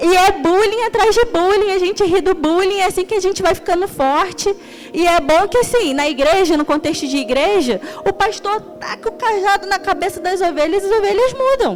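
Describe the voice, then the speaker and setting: With a Rio de Janeiro accent, a woman speaks at a moderate pace and extremely high pitch, with ordinary pitch variation and very even loudness, over noticeable background noise. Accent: carioca accent, kept. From Rio de Janeiro, Baixada Fluminense. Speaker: deaconess and preacher. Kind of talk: sermon. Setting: church youth service. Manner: animated, extroverted.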